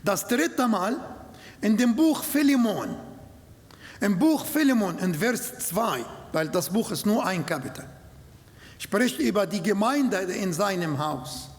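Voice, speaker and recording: A man whose first language is Arabic, preaching a sermon in slow, halting German with non-native grammar. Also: sits high, animated. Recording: long hall reverb.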